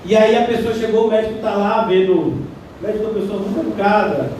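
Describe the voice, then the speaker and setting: A man with a Brazilian Portuguese accent preaching a lively, conversational sermon as a pastor, often mimicking other voices. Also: sits high, fast talker, slight background noise. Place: church hall. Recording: distant, very echoey church hall.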